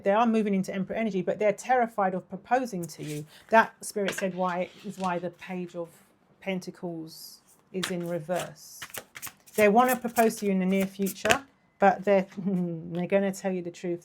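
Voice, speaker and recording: A woman's voice: medium pitch, normal speed, noisy background. A woman in her thirties doing a casual tarot reading, gushing and affectionate, her voice worn and partly lost. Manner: gushing, affectionate, with frequent laughs. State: losing her voice. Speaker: tarot reader.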